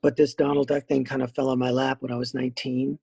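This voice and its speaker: A middle-aged man with a raspy voice, a voice actor chatting as a podcast guest in an animated, rambling way. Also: medium pitch, fast talker, no echo. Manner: animated, rambling with many fillers. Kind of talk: casual podcast interview.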